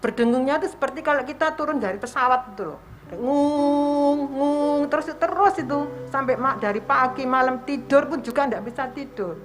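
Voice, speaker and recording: A woman's voice: high voice, quick pace, few pauses, fairly bright tone, soft background music. A woman in her seventies with an East Javanese accent, giving a personal testimony at a worship service and acting out her prayers as she tells the story. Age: 70s. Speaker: church member giving testimony.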